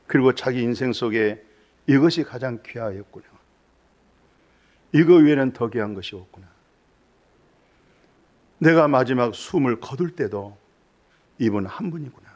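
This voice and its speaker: Impassioned Korean-church pastor, loud then whispering. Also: male voice, medium pitch, lively intonation, moderate pace, long pauses. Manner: swings between loud exclamations and hushed, whispered asides; fires rhetorical questions at the congregation. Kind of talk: sermon.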